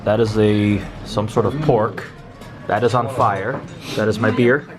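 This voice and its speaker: A young American car vlogger speaks in a lowish voice with fairly even intonation, a little slow. He walks city streets and shops narrating a casual car-spotting vlog, chatty and pointing things out. He records on a handheld camera mic.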